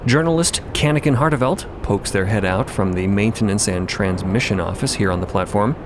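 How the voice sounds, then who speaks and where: A man reading scripted story narration, with clear ambient noise running behind his voice. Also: on the low side, brisk.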